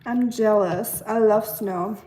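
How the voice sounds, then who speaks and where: A young woman with a German accent from the Black Forest hosts a live stream from a US home kitchen, chatting casually with viewers while she cooks, using lots of ums and likes. Her medium-pitched voice is warm, steady and slow, though the audio is poor.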